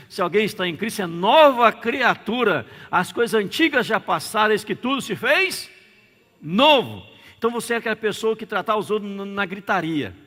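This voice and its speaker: A Brazilian pastor preaches with a high, forceful voice, repeating key words and drawing amens from the congregation. His sermon rings through a reverberant church hall with a long, lingering echo. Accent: Brazilian Portuguese. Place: church sanctuary.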